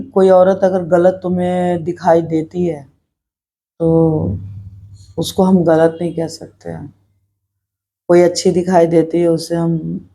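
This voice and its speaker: Middle-aged woman vlogger, earnest personal talk, flat and dark-toned delivery. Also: fairly low pitch. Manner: earnest, reflective, repeats herself while speaking her mind. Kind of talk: personal vlog talk to camera.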